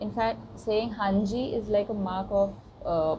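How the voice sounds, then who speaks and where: Soft-spoken, a woman with an Indian accent talks at a medium pitch. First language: Hindi. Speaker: vlogger. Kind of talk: casual talk to camera.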